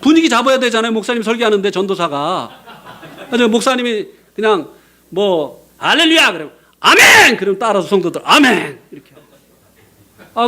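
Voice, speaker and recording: A male guest preacher tells his testimony from the pulpit. His voice sits high and swings widely as he acts out other people's words. He laughs often as he goes. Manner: lively storytelling, acting out quotes and laughing. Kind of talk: sermon with personal testimony.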